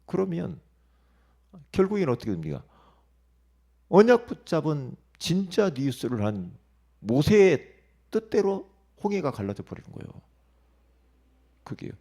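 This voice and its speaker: A male pastor giving an early-morning sermon, emphatic and lively, asking the congregation rhetorical questions and dropping into quiet asides. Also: a little high, measured pace, creaky, pauses often, breathy edge.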